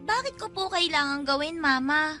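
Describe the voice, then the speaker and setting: A very high, bright child's voice, for an innocent and hungry Filipino schoolgirl in a radio drama. She is polite and questioning, with music softly behind her. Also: animated, moderate pace. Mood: innocent, concerned. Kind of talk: Tagalog radio drama acting.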